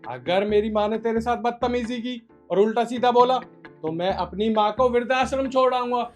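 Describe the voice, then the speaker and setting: A man's voice: very high voice, normal speed, lo-fi sound, faint music behind. An actor playing a hot-tempered young husband who angrily threatens his wife in a family drama. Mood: angry. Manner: angry, threatening. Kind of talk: Hindi family drama acting.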